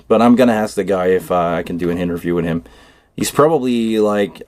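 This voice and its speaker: A man's voice: fairly low pitch, darkish tone, no room sound. A man with a Quebec French accent, a native French speaker, hosting a casual livestream and chatting loosely while he works on a cable build. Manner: loose, rambling, thinking aloud while working. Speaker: live stream host. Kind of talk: casual tech livestream chat.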